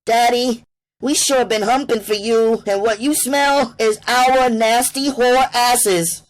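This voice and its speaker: A man voicing a fawning, flattering woman prostitute in a high falsetto. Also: slow, poor audio.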